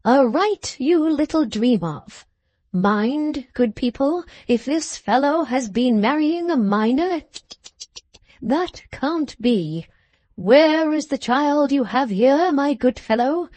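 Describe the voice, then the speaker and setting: A woman reading an audiobook, voicing an impetuous, bossy older gentleman who talks in abrupt commands. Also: sits high, lively intonation, normal speed, dry recording, voice pushed up. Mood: urgent. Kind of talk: audiobook character voice.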